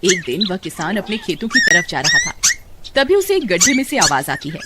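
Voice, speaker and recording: A woman narrating a cartoon storybook in an even storytelling manner. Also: mid-range voice, moderate pace, heavy background noise.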